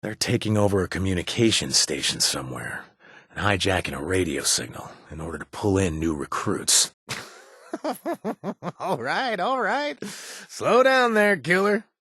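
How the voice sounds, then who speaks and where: An actor playing a wry, hesitant former raider in a video game, with a husky voice and lots of fillers. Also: male voice, fairly low pitch, very animated, a little slow, a bit bright, no echo, clean studio sound, heavily acted. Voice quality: husky, punning, easygoing. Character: wry former raider man, trying to stay clean. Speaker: companion character.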